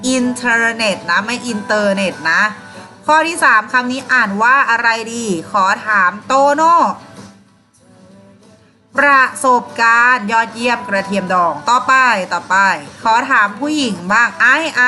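A woman's voice: a little high, sharp tone. A woman teacher leading a primary school class through workbook exercises, calling on pupils by name and praising their answers. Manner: encouraging, calls on pupils by name, frequent polite particles.

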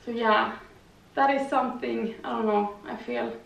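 A woman's voice: a little high, steady tone, normal speed, vocal fry. A young woman with a foreign accent chatting casually in a rambling way, full of fillers and tag questions, while doing yoga in her living room. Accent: non-native English, lives in Sweden. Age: young adult. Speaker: vlogger. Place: living room with slanted ceiling, indoors. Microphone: far camera. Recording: roomy, distant, dull camera audio.

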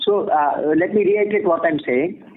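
Indian man, senior banking type, measured earnings-call answers, high register, thin telephone sound. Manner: measured, formal, explanatory. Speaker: bank executive answering analysts. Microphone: phone conference call. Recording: tinny phone line with clear noise.

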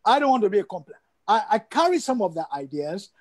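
Being interviewed by video call from a room in his home, an older man from Sierra Leone speaks in a high-pitched, sing-song, slightly mellow voice at a fairly quick pace. He is emphatic, repeating phrases to drive his points home.

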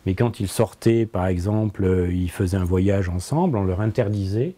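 A man's voice: low-pitched, warm tone, slightly rough. A French-speaking man in his sixties, a philosopher giving an interview in a book-lined office, speaking thoughtfully with many hesitations and repeated words. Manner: thoughtful, halting, frequent repetitions and hesitations. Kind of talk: conversational interview.

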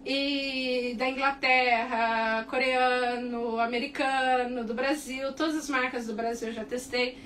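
A Brazilian woman teaching cake decorating in a chatty, animated tutorial, often tagging her sentences with quick checks to the viewers. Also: high-pitched. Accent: Brazilian Portuguese. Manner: chatty, animated, repeats tag questions like "tá?" and "né?". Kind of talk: casual tutorial talk to viewers. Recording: distant mic with faint background noise.

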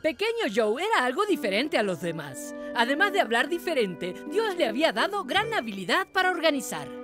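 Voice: sits high, big pitch swings, brisk, over music. An actor voicing an earnest, easily flustered male tomato who politely hosts and narrates a cartoon show. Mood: storytelling. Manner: polite, hesitant, explanatory. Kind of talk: cartoon hosting and story narration.

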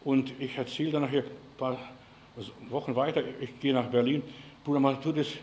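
A middle-aged man preaching a sermon as pastor, switching between loud bursts and quiet asides, often asking "ja?" of his listeners. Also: medium pitch, moderate pace, slight background noise. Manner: lively preaching with sudden loud and quiet turns, frequent "ja?" and "verstehst du".

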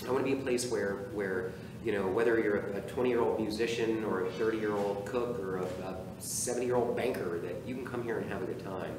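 A man's voice: on the low side, a little fast. A man, a theater director, chatting casually in an interview and gesturing as he talks. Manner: animated, talks with his hands, many restarts. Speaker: theater artistic director, guest. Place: theater stage. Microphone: far camera. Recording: echoey stage from far off with noise.

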